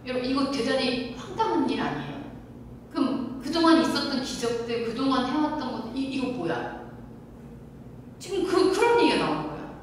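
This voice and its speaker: A woman's voice: high voice, very animated, a little fast. A woman pastor preaching a sermon, telling the story with animation and asking the congregation questions. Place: church sanctuary. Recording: echoey hall from far off, faint room noise.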